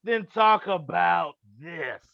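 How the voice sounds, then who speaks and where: A man's voice: high voice, expressive, takes it slowly, creaky, dry recording, exaggerated voice. A man playing a cocky, boastful wrestling prince who taunts through a theatrical promo, in lo-fi audio. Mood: taunting.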